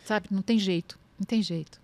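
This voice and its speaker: A woman's voice: mid-range voice, a little fast, warm tone, no echo. A middle-aged woman with a Brazilian Portuguese accent, a lawyer speaking as a podcast guest, earnest and emphatic, acting out quoted dialogue as she tells stories. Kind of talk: conversational interview.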